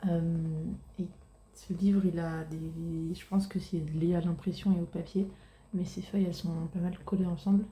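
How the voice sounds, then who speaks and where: A young woman speaking softly in a casual ASMR style, musing aloud in a hesitant, unhurried way. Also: fairly low pitch, reverberant. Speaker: ASMR creator. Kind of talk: soft-spoken ASMR, casual commentary.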